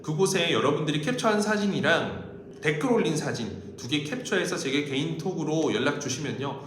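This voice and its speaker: A man's voice: a little high, a bit bright. A man giving a polite, step-by-step instructional talk to viewers as an interview coach. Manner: polite, explanatory, step-by-step delivery. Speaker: job interview coach and host. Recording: roomy echo with faint background noise.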